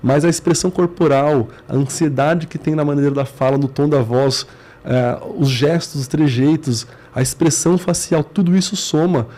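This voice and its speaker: A man's voice: on the high side, normal speed, dark tone. A man with a Brazilian accent, a company CEO appearing as a guest, explaining his points earnestly in short stacked phrases. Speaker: guest, business management CEO. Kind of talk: explanatory interview talk.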